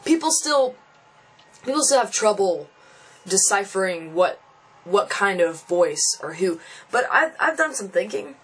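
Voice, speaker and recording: Speaking to the camera, a young trans man vlogs in a casual vent, thinking aloud in frustration and often starting over or repeating himself. He has a high, husky, fairly bright voice captured on poor audio.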